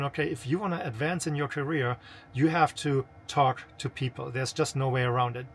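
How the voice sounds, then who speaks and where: A man's voice: a little high, slight background noise. A man in his fifties with a non-native English accent, a senior manager giving informal, explanatory advice to camera in a conversational way. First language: not English. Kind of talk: informal instructional talk to camera. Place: small camper interior.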